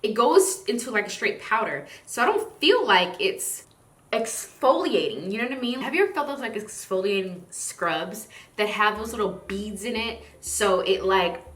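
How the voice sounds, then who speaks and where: A woman's voice: medium pitch, lively intonation, normal speed, a bit bright, reverberant. A woman from the southern United States chatting casually to camera as a skincare reviewer, in a bubbly, playful manner. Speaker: skincare vlogger and product reviewer.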